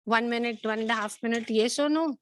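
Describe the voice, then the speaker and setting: A woman's voice: fairly high pitch, fast talker, noisy background. A woman with a South Asian accent teaching an online class, questioning pupils in a stern, insistent way. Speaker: schoolteacher.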